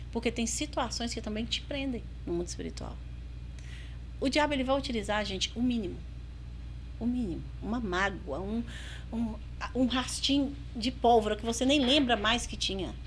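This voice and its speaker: Animated Brazilian woman telling a story. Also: on the high side, a little hiss or hum. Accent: Brazilian Portuguese. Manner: animated storyteller, acting out quoted dialogue. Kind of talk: casual podcast storytelling.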